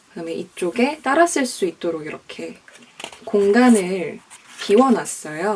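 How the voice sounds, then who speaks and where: Lively intonation from a woman at a fairly slow pace, with noticeable background noise. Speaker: book YouTuber / bookstore channel host. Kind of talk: casual talk to camera, bookshelf tour.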